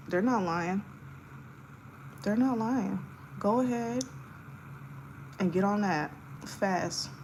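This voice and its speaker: A woman's voice: medium pitch, a little mellow, poor audio. A young woman in her twenties talks casually to her viewers as she draws. Her chat is loose and giggly, full of fillers. A faint hum sits under the voice. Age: 20s. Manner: chatty, giggly, lots of fillers. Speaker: art livestreamer. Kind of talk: casual chat while sketching.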